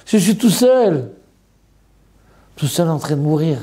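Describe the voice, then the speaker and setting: A man's voice: a little high, sing-song, slow pace, mellow. A man, a rabbi, telling a dramatic story in a sermon and acting out the people in it. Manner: dramatic storyteller, voicing characters.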